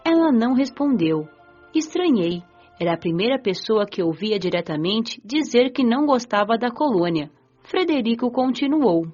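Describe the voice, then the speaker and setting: An actress with a Brazilian accent playing a gentle, curious young spirit woman who narrates her afterlife story in an audio drama. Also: fairly high pitch, very animated, normal speed. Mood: curious, surprised. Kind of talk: scripted first-person audiobook drama narration. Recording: dull lo-fi audio, music behind.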